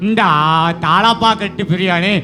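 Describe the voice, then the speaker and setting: A man's voice: high voice, fairly even intonation, unhurried, bright, forceful tone. A man voicing a sly, scheming male office worker in a church puppet show. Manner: scheming, wheedling.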